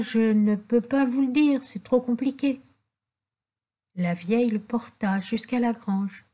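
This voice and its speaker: A woman reads a children's tale aloud in a slow, gentle storytelling cadence. Her voice is warm and mellow, with a faint breathy huskiness. She lets every phrase settle before moving on. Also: fairly high pitch. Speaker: audiobook reader.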